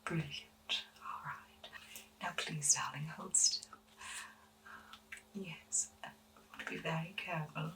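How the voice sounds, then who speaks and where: A woman playing a gentle, eccentric doctor in a whispered ASMR medical roleplay, soothing, measured and formally polite. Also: low-pitched, distant mic, poor audio. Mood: reassuring, clinical. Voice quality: breathy whisper. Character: gentle, eccentric female doctor at strange monster clinic.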